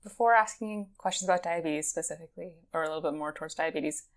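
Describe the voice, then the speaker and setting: A woman's voice: low-pitched, quick pace. A woman co-hosting a podcast, asking a guest questions in a thoughtful, hedging way. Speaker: podcast co-host.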